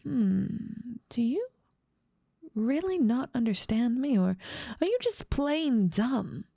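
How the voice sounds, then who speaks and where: A woman's voice: on the high side, very animated, takes it slowly, vocal fry, no room sound, studio quality, heavily acted. A woman voicing a smug, scheming evil witch. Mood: condescending. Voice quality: frequent soft whispering. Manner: smug, condescending, toying with a captive. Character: cold, scheming evil witch, ambitious and controlling. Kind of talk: ASMR audio roleplay.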